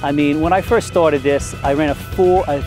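A man with an American accent, dry sound with no echo, and clear music in the background. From Long Island, New York. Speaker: semi-pro football player, sports promoter. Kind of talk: interview answer. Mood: proud, slightly emotional. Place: stadium.

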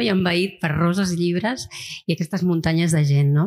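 Her pitch fairly low with ordinary variation, a woman speaks at a fairly quick pace. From Catalonia. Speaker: novelist; guest. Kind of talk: panel talk at book event. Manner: halting. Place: hall. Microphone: handheld.

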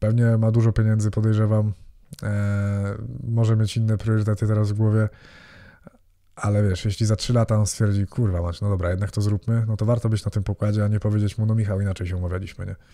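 A man speaks at a very fast pace with a fairly low pitch and a dark, mellow tone. His intonation is monotone and flat, and the background is quiet. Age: 20s. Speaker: cannabis activist and podcaster; podcast guest. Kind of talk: casual interview. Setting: studio. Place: studio. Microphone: studio mic.

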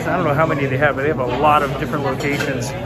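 A man talks with crowd noise in the background. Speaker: travel vlogger. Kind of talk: casual vlog chat. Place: hall. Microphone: phone near.

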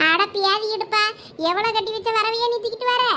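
A woman uses a put-on character voice, extremely high in pitch and flat in intonation. Her loudness stays very even at a moderate pace, over light background noise. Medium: voice reel. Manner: inquisitive, exclamatory.

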